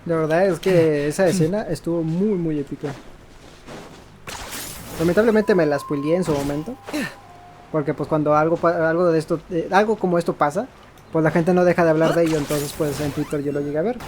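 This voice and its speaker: A man's voice: fairly high pitch, fairly even intonation, quick pace, a little mellow, slight background noise. A man giving casual let's-play commentary as a gaming YouTuber, a native Spanish speaker.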